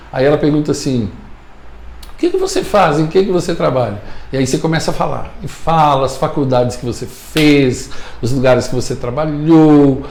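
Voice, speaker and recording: A man's voice: fairly high pitch, darkish tone, reverberant. A man with a Brazilian Portuguese accent giving an emphatic motivational talk as a communication coach, repeating his key points and often checking that listeners follow.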